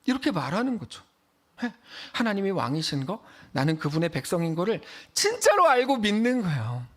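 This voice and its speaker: Animated Korean pastor preaching, high lively voice. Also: male voice, fairly quick. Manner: animated preaching, acting out quoted voices, dropping to a hush for emphasis. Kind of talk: sermon.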